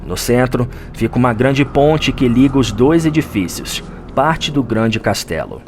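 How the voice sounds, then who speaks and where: A man with a Brazilian accent voicing a lore scholar who narrates a dark gothic nightmare in a grave, theatrical audio drama style. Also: mid-range voice, animated, unhurried, lightly acted. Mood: solemn, explanatory. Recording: music under the voice. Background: music.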